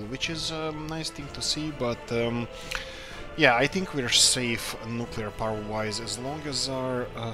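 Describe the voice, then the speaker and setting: Male let's-player, mid-pitched, rambling upbeat self-talk, with game music clearly underneath. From Croatia. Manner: rambling, thinks aloud, upbeat muttering. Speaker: let's play host. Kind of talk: casual gameplay commentary.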